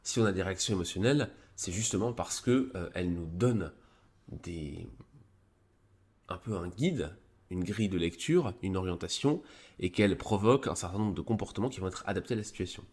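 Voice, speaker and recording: A man with a deep, low voice talks through a psychology article on his live stream. He has a cold. He speaks casually and hesitantly, full of fillers and restarts. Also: animated, fairly quick, a little mellow. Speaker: streamer presenting a psychology review.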